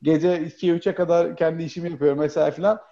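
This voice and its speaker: A man's voice: fairly high pitch, fairly even intonation, fast talker, mellow, dull audio. A man chatting as a guest, rambling with many hesitations and fillers. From Turkey. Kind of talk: casual chat.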